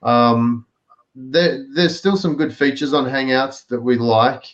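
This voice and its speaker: A man's voice: mid-range voice, takes it slowly. A man with an Australian accent, hosting a casual live stream chat and explaining things with many fillers over a video call. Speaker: live stream show host. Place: home, in the US. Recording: dull lo-fi video call audio.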